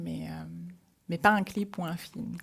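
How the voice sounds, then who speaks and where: On a very clean recording with a silent background, a woman with a very deep, low pitch talks at a fairly slow pace with ordinary pitch variation. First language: English (speaking French). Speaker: pop singer. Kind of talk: interview. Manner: hesitant.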